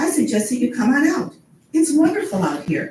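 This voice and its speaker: A put-on character voice, high in pitch, with a slight echo. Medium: read story. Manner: fast, repetitive.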